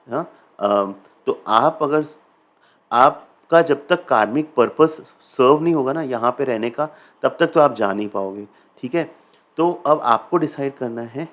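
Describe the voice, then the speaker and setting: A man with an Indian accent giving a casual spiritual talk, chatty and conversational, mixing English phrases into his speech and often checking in with listeners. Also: medium pitch. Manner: conversational, mixes English phrases into Hindi, often asks "ठीक है?". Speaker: spiritual teacher.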